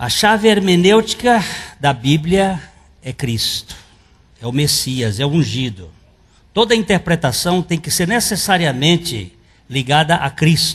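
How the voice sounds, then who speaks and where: Speaking at a fairly slow pace with long, frequent pauses, a man uses a high pitch with very wide pitch swings. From northeastern Brazil, Piauí.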